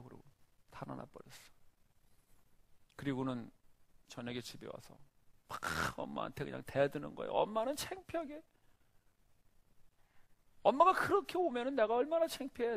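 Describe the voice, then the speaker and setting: A middle-aged male pastor preaching a sermon in a church, telling a story with lively acted-out scenes. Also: a little high, vocal fry, no echo. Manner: animated storyteller, acts out the scenes.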